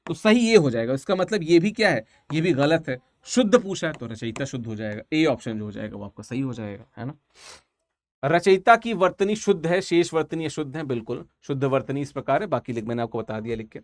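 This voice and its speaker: A man's voice: fairly high pitch, lively intonation, brisk. A man teaching an online exam-prep language class, talking casually and repeating each answer several times.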